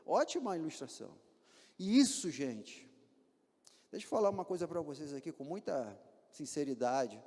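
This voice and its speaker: A Brazilian pastor delivers a sermon in a church with a high, expressive voice. He fires off rhetorical questions and acts out little scenes as he preaches. His words ring with long reverb from the hall. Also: moderate pace. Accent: Brazilian Portuguese. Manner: animated preaching with rhetorical questions and acted-out examples.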